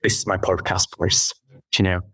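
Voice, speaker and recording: Very low-pitched, plummy-voiced man. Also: little pitch movement, moderate pace, a crowd in the background. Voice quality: posh, plummy voice. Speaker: podcast guest. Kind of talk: casual interview chat.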